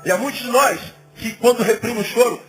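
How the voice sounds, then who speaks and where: A middle-aged man, a pastor, preaching a sermon in a conversational, animated way with emphatic rising peaks, music in the background. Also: very high voice, fairly quick, rough recording. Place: church.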